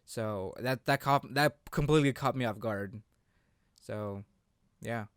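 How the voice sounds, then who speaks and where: Man, podcast host, clean smooth voice, dry close sound, halting casual talk, restarts phrases. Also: mid-range voice, no room sound. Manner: halting, repeats and rephrases himself. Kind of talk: casual chat about visual novel games.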